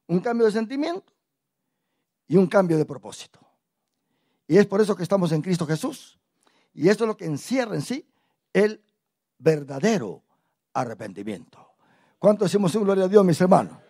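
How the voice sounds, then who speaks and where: A male pastor teaching a Bible class in church, animated and often asking the congregation questions. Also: high voice, moderate pace, long pauses, breathy edge, dry recording, clean studio sound.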